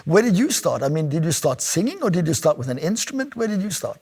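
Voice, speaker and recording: Man, interview host, fast talker, higher pitch, short prompting questions. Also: big pitch swings, creaky, darkish tone, slightly rough. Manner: brief prompting questions and affirmations. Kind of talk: conversational interview.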